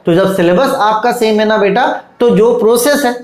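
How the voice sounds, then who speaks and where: A man's voice: high-pitched, normal speed. Fatherly tutor man, echoey room. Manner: fatherly, calls students "beta", keeps asking "theek hai". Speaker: online tutor. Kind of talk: casual video lecture.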